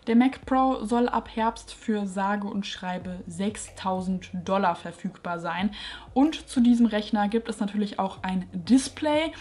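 A young woman recaps tech news in a casual, lightly opinionated way, speaking straight to camera. Her voice sits at a middle pitch. She is recorded in a small room at home. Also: a little mellow. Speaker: tech YouTuber.

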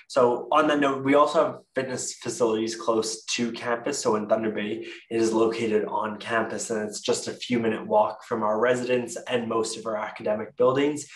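A young Canadian man giving a casual university info presentation over a video call. He often pauses with fillers and corrects himself. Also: mid-range voice. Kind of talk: virtual info session presentation. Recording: echoey room, distant mic.

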